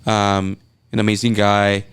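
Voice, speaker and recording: A man with a Mexican Spanish accent, a native Spanish speaker, chatting as a guest and telling excited stories with many restarts. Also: fairly low pitch, measured pace, smooth. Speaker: guest, event videographer. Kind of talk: casual interview chat.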